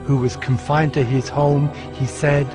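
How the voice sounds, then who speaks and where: A man playing a steadfast, devout ancient governor, narrating his memoir of scripture in a solemn, measured way. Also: fairly high pitch, flat delivery, close to an everyday voice. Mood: solemn, resolute. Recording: music behind the voice.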